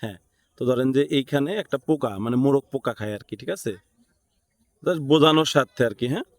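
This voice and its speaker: Male tutorial instructor, Bangladeshi accent, average pitch, informal step-by-step delivery that checks in with the listener. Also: quick pace, no echo. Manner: thinks aloud, checks in with listeners.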